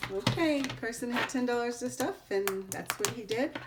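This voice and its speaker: A woman at a moderate pace with lively intonation, over noticeable background noise. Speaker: budgeting channel host. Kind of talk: cash stuffing tutorial. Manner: counting aloud.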